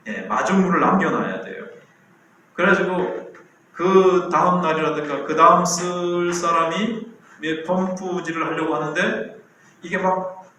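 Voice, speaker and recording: A man's voice: a little high, sharp tone, slight background noise. Man in his 60s preaching in an echoey church. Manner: conversational storytelling preaching with rhetorical questions. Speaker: pastor. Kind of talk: sermon. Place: church sanctuary.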